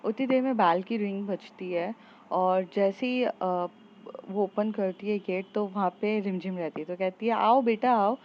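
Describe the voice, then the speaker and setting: Female storyteller, relaxed with fillers, slightly dull recording. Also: medium pitch, measured pace. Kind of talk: storybook narration.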